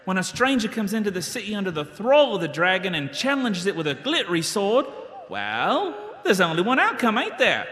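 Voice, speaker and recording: A street sausage seller in a live radio comedy, all cheery sales patter. The voice is high and swoops about, ringing in a big hall. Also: male voice, huge pitch swings, fairly quick, pushed and bright, exaggerated voice. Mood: sly, excited. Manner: hawking, wheedling salesman patter. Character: chirpy, huckstering male street sausage seller. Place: live on stage in a large hall. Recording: reverberant hall, live stage performance.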